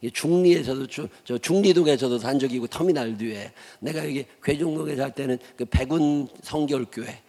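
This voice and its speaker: Folksy Chungcheong preacher in a reverberant church. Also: male voice, medium pitch, moderate pace, hardly any pauses, warm tone. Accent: Chungcheong Korean. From Chungcheong, South Korea. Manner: folksy storytelling sermon, blunt and humorous. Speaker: pastor. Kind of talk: sermon. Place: church sanctuary.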